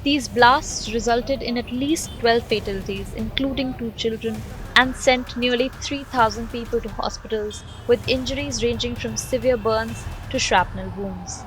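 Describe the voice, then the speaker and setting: A woman's voice: on the high side, fairly even intonation, normal speed, rough recording. A woman reading a scripted news voice-over as the narrator of a report. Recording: background music under voice-over. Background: music bed.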